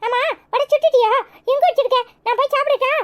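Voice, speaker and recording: A woman's voice: very high-pitched, fairly even intonation, fast talker, pitched above the performer's own voice. A woman voicing a playful little village girl in a cartoon, with a Tirunelveli Tamil accent and sing-song chatter. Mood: chirpy. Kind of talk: cartoon voice acting.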